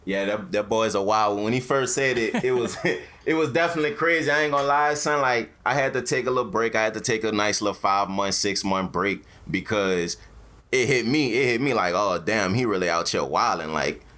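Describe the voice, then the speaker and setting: A man's voice: fairly low pitch, fairly quick, a bit bright. A man with an African American accent hosting a casual, opinionated podcast, talking in slang with plenty of swearing. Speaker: podcast host.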